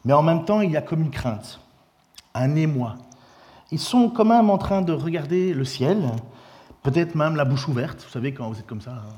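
Guy preaching, chatty and animated, lots of restarts, slightly high voice. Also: normal speed. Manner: lively, conversational preaching with many restarts. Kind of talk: sermon.

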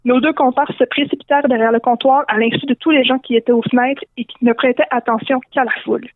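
Québécois woman, comic storyteller, high voice, phone-line sound. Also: steady tone, quick pace, no room sound. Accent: Québécois French. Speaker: narrator.

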